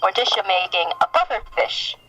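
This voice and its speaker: A woman guest chatting casually in an interview, explaining things earnestly in halting phrases. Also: mid-range voice, lively intonation, pushed and bright, soft background music, low-quality recording. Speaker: podcast guest, fan fiction writer.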